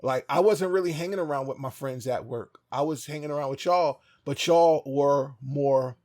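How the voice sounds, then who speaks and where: Man, slightly high voice, casual reminiscing, hesitant, repeated phrases, podcast co-host. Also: normal speed, darkish tone.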